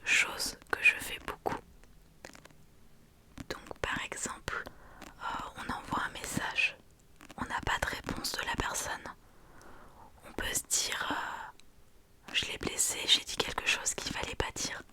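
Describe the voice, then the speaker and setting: A woman gives an ASMR talk entirely in a soft library whisper. Her delivery is very unhurried, with hesitant pauses as she explains. The voice stays breathy and unvoiced. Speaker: ASMR creator.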